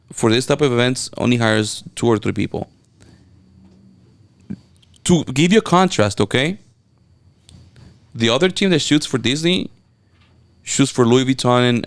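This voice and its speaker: A man from Mexico speaks English with a Mexican Spanish accent, his native tongue being Spanish. His voice has a gravelly edge over a smooth, full tone, and he tells his stories excitedly with frequent restarts. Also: mid-range voice. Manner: excited storytelling, many restarts and fillers. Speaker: guest, event videographer. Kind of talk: casual interview chat.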